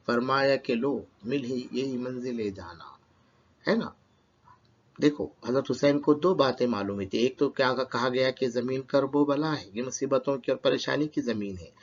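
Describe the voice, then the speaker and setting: A male teacher works through a poem line by line for his students, asking questions aloud and answering them himself. His pitch sits at an ordinary middle level for a man. The recording sounds dull and lo-fi. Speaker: Urdu teacher.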